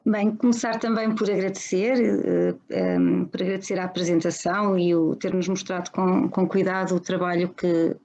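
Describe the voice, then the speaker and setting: A woman's voice: on the low side, animated, normal speed, few pauses, mellow. A woman asking questions at an academic seminar, polite and hesitant, with many fillers and restarts, on a dull, lo-fi recording. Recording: dull lo-fi sound.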